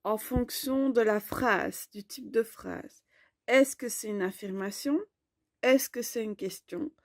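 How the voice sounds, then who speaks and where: A woman teaching a grammar lesson in a slow, clear, explanatory way. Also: fairly high pitch, no echo, clean studio sound.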